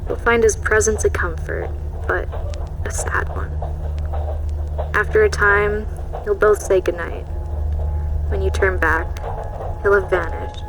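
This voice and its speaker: An actress playing a reflective, uneasy woman journalist, reading her travel journal in a measured, literary way for an audio drama. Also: medium pitch, expressive, background noise. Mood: eerie, hushed. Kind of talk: scripted dramatic journal narration.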